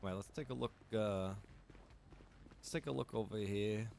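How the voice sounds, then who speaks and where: A man's voice: fairly low pitch, moderate pace, gravelly, a little mellow, a little hiss or hum. A man talking casually and easily to viewers as he hosts a live gameplay stream, chatty and direct. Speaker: game streamer and server admin.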